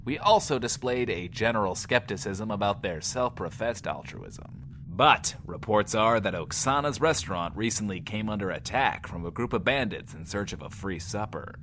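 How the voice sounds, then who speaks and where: An actor playing a swaggering but insecure host of a post-apocalyptic bunker radio show, talking in a pompous, wordy, theatrical way. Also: male voice, on the low side, lively intonation, normal speed, hardly any pauses, a bit bright, slight background noise. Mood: newsy, dramatic. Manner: pompous, wordy, theatrical, talks of himself in third person. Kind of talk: in-world radio show monologue, audio drama.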